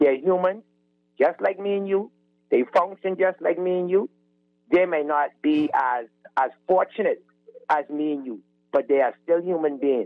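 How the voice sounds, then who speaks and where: With a Bahamian accent, a high-pitched man talks at a fairly slow pace with ordinary pitch variation and long, frequent pauses. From Bahamas. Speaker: caller. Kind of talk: call-in opinion. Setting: phone call. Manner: animated.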